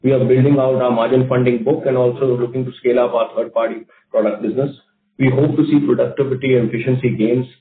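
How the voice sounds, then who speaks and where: A man with an Indian accent giving formal, measured remarks as a company executive on an earnings call. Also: medium pitch. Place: conference call. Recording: distant, roomy, muffled conference phone line.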